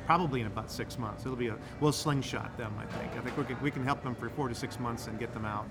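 A man's voice: mid-range voice, fast talker, over loud music. A man from the Midwest, a guest on a podcast, explaining at length in a rambling, enthusiastic way with frequent restarts. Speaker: guest, incubator director. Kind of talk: casual podcast interview.

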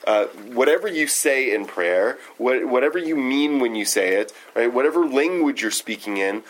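A man's voice: mid-range voice, low-quality recording. A man leading a text study, giving an informal, thoughtful lecture and often checking in with his listeners.

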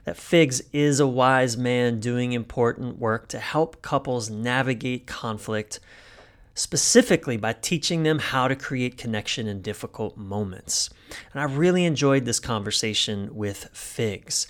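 A man's voice: mid-range voice, measured pace. A man hosts his own podcast, first introducing the episode and then chatting with a guest. He talks in a casual, enthusiastic way and sounds openly engaged with the conversation. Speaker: podcast host.

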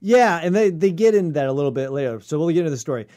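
A man's voice: on the high side, animated, rapid-fire, warm tone. Upbeat joking podcast man. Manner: jokey, laughing banter. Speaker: podcast co-host. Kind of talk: casual chat.

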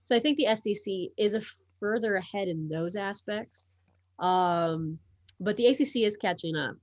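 A woman's voice: medium pitch, moderate pace, a little mellow, no echo. A woman whose first language is Portuguese, a sports publisher talking as a podcast guest, chatty and full of ums and restarts. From United States (Miami). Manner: talkative, many ums and restarts. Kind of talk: casual interview chat.

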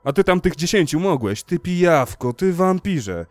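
A man voicing an angry, grim male spaceship crewman who shouts accusations, in an audiobook reading. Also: on the high side, very animated, normal speed, dry recording, pitched above the performer's own voice. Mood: furious. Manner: shouting insults, then cold and quiet.

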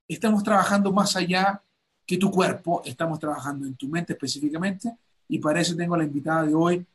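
A man hosting an interview with a high, bright voice. He talks with lively enthusiasm and stumbles into frequent fillers and restarts as he introduces his guest. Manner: animated, many fillers and restarts. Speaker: host.

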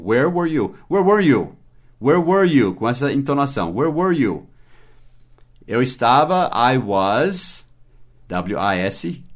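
A man teaching English in a mini-podcast, spelling words letter by letter and slowing down for the English examples. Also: medium pitch. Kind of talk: mini-podcast language lesson.

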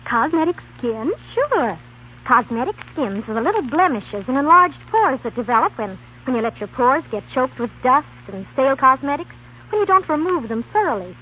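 An actress playing a slangy, gushing young waitress in a dramatized 1930s radio advertisement. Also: female voice, high-pitched. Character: chatty, starstruck and knowing young waitresses. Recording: noisy, tinny 1930s radio broadcast.

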